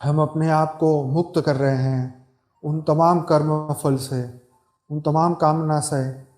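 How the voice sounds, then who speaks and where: Slow-paced man guiding meditation, echoey. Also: fairly high pitch. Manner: calm, soothing, measured with long pauses. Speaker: meditation guide. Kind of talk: guided meditation, slow repetitive instruction. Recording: roomy echo with background music. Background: meditation music.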